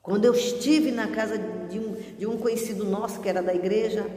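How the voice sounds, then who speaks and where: A woman's voice: mid-range voice, fairly quick, warm tone. A woman pastor preaching a sermon, praying fervently with repeated rebukes and telling a testimony with many restarts. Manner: fervent, repetitive rebuking prayer. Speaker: pastor and missionary. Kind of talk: sermon with deliverance prayer. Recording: echoey hall with long reverb.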